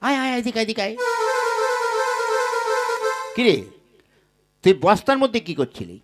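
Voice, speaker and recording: A man playing a gruff, bossy village henchman. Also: high voice, sing-song, unhurried, loud music behind the voice. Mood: indignant. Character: rough, bossy village henchman, hot-tempered. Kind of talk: Bengali comic puppet-play dialogue.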